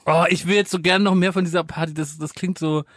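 A man's voice: a little high, fairly even intonation, a bit bright, dry recording, clean studio sound. A man co-hosting a podcast who jokes, riffs and laughs easily in casual banter. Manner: playful, quick to laugh and riff. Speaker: podcast co-host.

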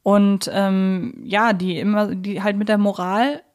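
A woman's voice: mid-range voice, flat delivery, takes it slowly. A woman co-hosting a podcast in a casual fan discussion, speaking in a reflective and opinionated way. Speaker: podcast co-host.

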